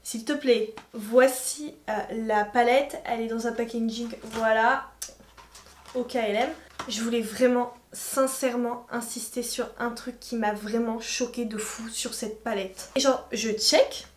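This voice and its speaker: A woman reviewing makeup on her channel in a casual, slangy, animated way, laughing often. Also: on the high side, a little slow, roomy sound. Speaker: beauty vlogger.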